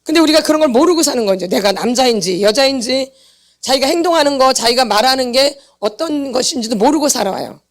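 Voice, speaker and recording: A woman with a high voice preaches at a church seminar. She repeats each point with force and throws short questions back to the congregation, then answers them herself. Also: expressive, fairly quick. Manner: emphatic, repeats points and quizzes the audience for answers. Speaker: pastor's wife teaching a healing seminar. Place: church meeting hall.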